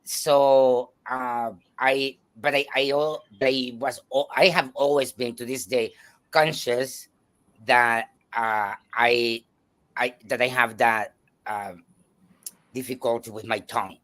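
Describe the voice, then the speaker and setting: A man from El Salvador with a Salvadoran Spanish accent, a native Spanish speaker, telling his life story as a guest with many pauses and restarts. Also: mid-range voice, steady tone, a bit bright. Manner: hesitant, many fillers and restarts. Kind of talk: personal storytelling in a talk show.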